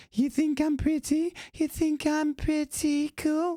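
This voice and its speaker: Using a put-on character voice, a woman speaks softly and breathily at a fairly slow pace, with a high pitch and monotone, flat intonation. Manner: soft breathy demo.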